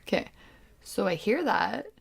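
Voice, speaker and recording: A woman's voice: medium pitch, big pitch swings, measured pace, creaky, breathy edge. A young woman guesting on a podcast, chatting casually with a giggly, somewhat hesitant and self-conscious manner. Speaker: podcast guest, host's sister. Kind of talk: casual chat.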